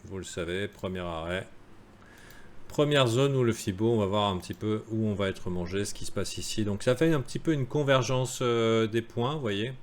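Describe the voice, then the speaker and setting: Casual low-voiced French trading streamer. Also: male voice, moderate pace. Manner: casual, joking, many fillers. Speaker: crypto trading analyst. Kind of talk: live-streamed market analysis.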